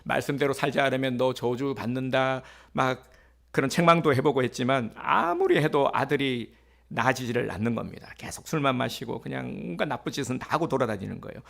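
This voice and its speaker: A man's voice: medium pitch, animated, fairly quick, vocal fry, fairly bright tone. A male pastor giving a sermon in a conversational way, with fillers, rhetorical questions and acted-out quotes.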